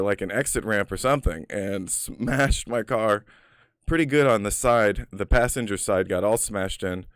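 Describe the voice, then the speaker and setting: Smooth-voiced man telling stories casually. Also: on the low side, dry recording, studio quality. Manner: rambling, profane, heavy on filler words, laughs often. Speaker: storyteller. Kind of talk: casual personal storytelling.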